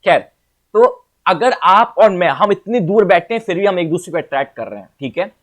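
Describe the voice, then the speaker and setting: A man with a slightly raised pitch, teaching physics in an exam-prep lesson. He chats with the viewer, repeats each point several times, and keeps checking in with questions. His tone stays playful and informal. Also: expressive, normal speed, a bit bright. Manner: repeats phrases and asks the viewer rhetorical questions; playful, chatty asides.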